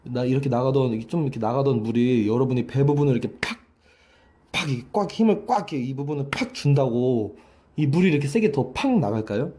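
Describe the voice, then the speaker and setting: A man's voice: mid-range voice, expressive, quick pace, mellow. A man teaching a voice lesson, explaining breath pressure with a hose demonstration, often repeating and restarting his phrases. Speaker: vocal coach.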